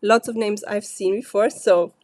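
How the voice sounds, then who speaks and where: A woman with a stuffy, congested voice hosts a live card-making stream in a chatty, loosely paced way, clearing her throat now and then. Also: mid-range voice, steady tone, normal speed, a little mellow, no echo. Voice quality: frequent throat clearing and fillers. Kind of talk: casual live-stream chat.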